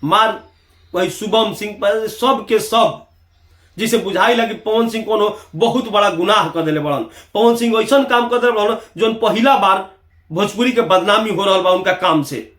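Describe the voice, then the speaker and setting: A man's voice: high voice, moderate pace, fairly bright tone, reverberant. A man with a Bihari Bhojpuri accent giving emphatic, opinionated video commentary, addressing viewers with rhetorical flourishes. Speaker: YouTube commentator.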